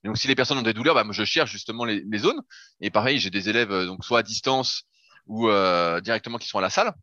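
His voice is lowish, quick, pushed and bright as this fitness coach casually explains his method step by step on a podcast, swearing occasionally. The recording has no echo and a dull lo-fi sound.

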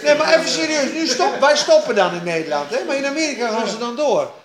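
A woman preaching a sermon, swinging between quiet asides and loud, excited bursts. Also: sits high, quick pace, crowd noise. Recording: echoey room.

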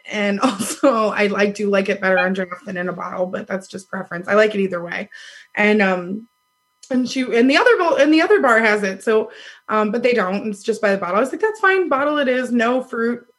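A woman in her thirties tells a dating story in loose, casual chat. Her voice is husky, loud and a little high. She acts out what people said and laughs often. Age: 30s. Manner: animated, laughs often, acts out quoted lines. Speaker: podcast guest telling a dating story.

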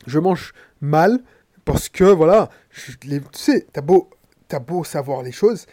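A man's voice: on the high side, animated, takes it slowly, mellow. A man from Martinique with a head cold, a podcaster and coach talking bluntly and slangily straight to the listener in a casual monologue.

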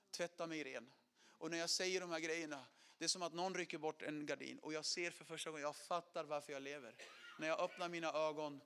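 A middle-aged man telling his conversion story as a sermon testimony, animated, acting out quotes and swinging from loud to hushed. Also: on the high side, clean tone.

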